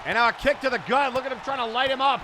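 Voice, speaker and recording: A man giving live play-by-play wrestling commentary with excited, exclamatory calls. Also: extremely high pitch, rapid-fire. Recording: noisy event audio with loud crowd. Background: crowd and arena noise.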